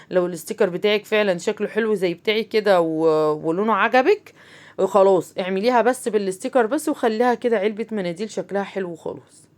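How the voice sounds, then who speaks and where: Hosting a crafts channel, a woman with an Egyptian Arabic accent walks viewers through a casual tutorial, talking directly to them. Her voice is medium in pitch with a darkish tone, and she uses lots of fillers while explaining each step.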